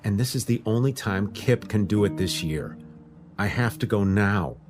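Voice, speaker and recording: A man's voice: on the low side, animated, normal speed, music in the background, close to an everyday voice. An actor playing a determined father and husband defending his plans in a naturalistic audio drama. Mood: insistent.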